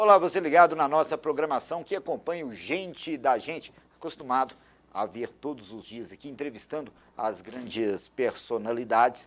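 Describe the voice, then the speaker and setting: A man with a normal speaking voice talks at a fairly high pitch and a moderate pace. His intonation is lively, and his loudness swings widely. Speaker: reporter, interviewer. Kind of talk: interview question.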